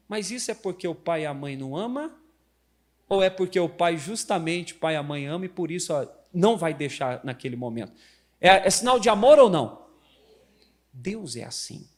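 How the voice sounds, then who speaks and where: Man, Brazilian accent, pastor, live sermon, high voice, very expressive ups and downs, family anecdotes, questions to the congregation. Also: moderate pace. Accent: Brazilian Portuguese. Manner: animated storyteller, acts out family members' voices, asks the congregation questions. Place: church service in front of a congregation.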